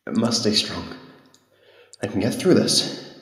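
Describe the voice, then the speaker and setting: A man playing a frightened, humiliated young captive in an ASMR roleplay, halting and timid, with a gravelly voice. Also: fairly low pitch, lively intonation, fairly bright tone. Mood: weary, dazed. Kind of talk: ASMR roleplay audio drama. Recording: echoey, long cavernous reverb.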